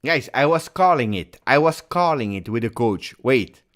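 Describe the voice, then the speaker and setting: Hosting a laid-back football recap, this man, a native French speaker, has a medium-pitched voice and speaks at a moderate pace. His delivery is lively and passionate, packed with fillers.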